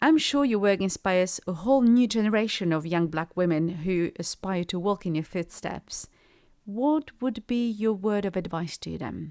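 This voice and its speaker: A woman with a plain, everyday voice speaks at medium pitch and a moderate pace with lively intonation. The sound is dry and close with no echo, in a very clean recording with a silent background. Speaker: podcast host. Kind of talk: interview.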